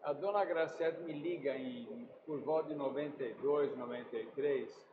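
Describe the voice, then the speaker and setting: An older man, a podcast guest who tells animated anecdotes and acts out the dialogue. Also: mid-range voice, normal speed. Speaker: meat company owner, guest. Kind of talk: casual podcast chat, storytelling. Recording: roomy, muffled, noisy room sound.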